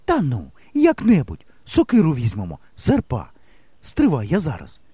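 A man voicing a brave, resolute young woman, a village teacher who speaks in a bright, brisk and reassuring way in an audiobook. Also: fairly high pitch, huge pitch swings, husky, dry recording, full character voice. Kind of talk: audiobook character voice.

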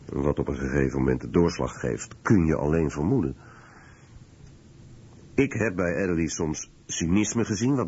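A man reading a scripted documentary voice-over in a measured, serious way. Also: a bass voice, darkish tone, slightly rough, lo-fi sound.

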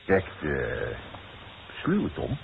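An actor playing a grumbling, wary workman in a 1960s radio play. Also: very slow. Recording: tinny, very noisy 1960s radio recording.

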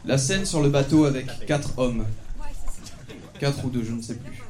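A man's voice: medium pitch, a little slow, very noisy. A man doing a mock-solemn, theatrical stand-up setup on stage. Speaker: comedy performer. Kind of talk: live stand-up bit.

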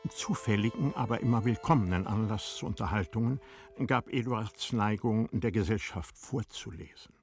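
A man reading scripted literary narration for a radio drama in a measured, expressive storytelling manner. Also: fairly low pitch, vocal fry, soft background music.

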